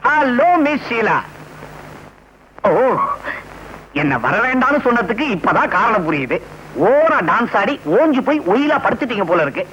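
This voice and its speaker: An actor playing a showy, chatty man posing as a London-returned gentleman, dropping English phrases in an old film. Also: extremely high pitch, big pitch swings, moderate pace, pauses often, a little hiss or hum, exaggerated voice. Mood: flirty boastful. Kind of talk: 1990s film acting. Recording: dull old film soundtrack with music.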